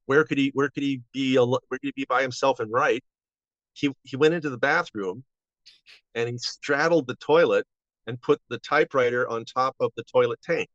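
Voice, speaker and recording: Halting older man, dull dry recording. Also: medium pitch, fairly bright tone, dry recording. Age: 70s. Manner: halting, rambling with false starts. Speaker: interview guest. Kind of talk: casual reminiscing. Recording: dull, band-limited audio.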